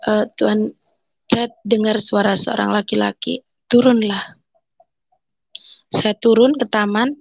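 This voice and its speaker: A woman giving an emotional personal conversion testimony, telling her story haltingly and voicing her own thoughts as she speaks. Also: medium pitch, steady tone, vocal fry, dry recording, muffled recording. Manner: emotional, halting storytelling with quoted inner speech.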